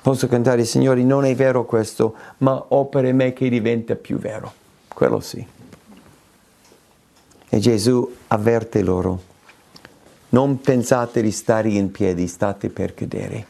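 A man preaching an expository sermon, lifting his voice high when he quotes scripture and prayers. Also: steady tone, a little slow, gravelly, dark tone. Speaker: pastor.

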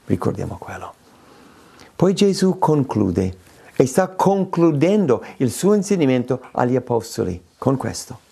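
A man preaching an expository sermon, lifting his voice high when he quotes scripture and prayers. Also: vocal fry, dark tone. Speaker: pastor.

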